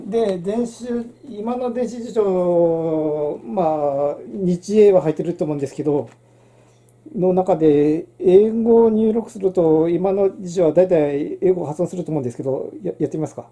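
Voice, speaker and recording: Low, dark-voiced woman rambling through a lesson. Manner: rambling, halting, many restarts and fillers. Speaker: channel host. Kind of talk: casual handwriting lesson.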